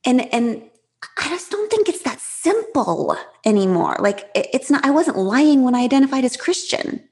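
A woman author with a high-pitched voice, talking fast and openly as a guest in an interview. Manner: fast, animated, self-revealing, many restarts. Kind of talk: casual interview talk.

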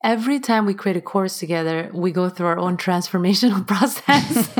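A woman in her thirties, a relationship coach, giving thoughtful, measured explanations as an interview guest. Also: mid-range voice, lively intonation. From United States.

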